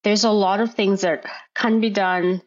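A middle-aged woman from Kenya, a gynecologist guest explaining health issues in a measured way on a podcast. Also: medium pitch, steady tone, dull audio. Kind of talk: podcast interview.

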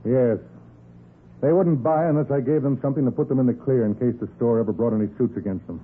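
A man's voice: medium pitch, quick pace, narrow, tinny audio, close to an everyday voice. A man playing a desperate, bitter killer with a menacing, melodramatic delivery in a 1940s radio crime drama. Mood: bitter, cornered. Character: desperate male murderer, armed, threatening, bitter and self-justifying. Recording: band-limited, noisy 1940s radio recording.

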